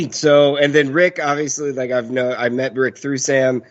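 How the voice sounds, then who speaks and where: A man's voice: medium pitch, flat delivery, a little slow, dull audio. A man in his thirties chatting casually as a podcast player, rambling and joking as he goes. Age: 30s. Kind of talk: casual chat.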